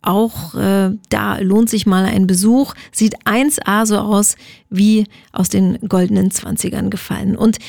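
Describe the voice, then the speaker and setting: A woman's voice: mid-range voice, steady tone, a little slow, vocal fry, a little mellow, dry recording, clean studio sound. A woman hosting a radio show, chatting casually to her listeners. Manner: chatty, addresses listeners directly. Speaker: radio host.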